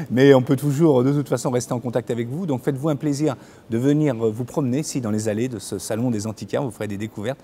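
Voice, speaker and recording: A man in his fifties hosting an interview, presenting in slightly halting, repetitive phrases. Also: mid-range voice, mellow, breathy edge. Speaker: web TV interviewer, host. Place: exhibition hall, indoors. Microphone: lapel mic. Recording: faint exhibition hall ambience.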